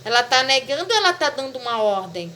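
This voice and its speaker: A woman's voice: sits high, very animated, fast talker, pushed and bright, slight background noise. A woman teaching a remote class, explaining step by step and checking understanding with "tá?". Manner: patient, repeats "tá?" to check understanding.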